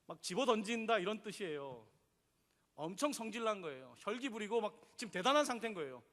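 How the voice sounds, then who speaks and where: A man's voice: high voice, sing-song, fairly quick, a bit bright. A man preaching a sermon as pastor, telling the story vividly and leading the congregation in reading. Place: church sanctuary. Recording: long reverb in a church hall.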